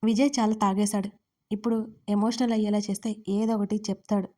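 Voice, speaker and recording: A woman narrating a romance audio story in an even, expressive storytelling way. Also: medium pitch, fairly quick.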